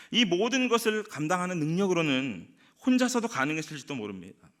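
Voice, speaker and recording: A male pastor delivers a sermon with a fairly high voice that swings widely in pitch. He puts frequent rhetorical questions to the congregation and slips into the voices of the people he quotes. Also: bright, forceful tone.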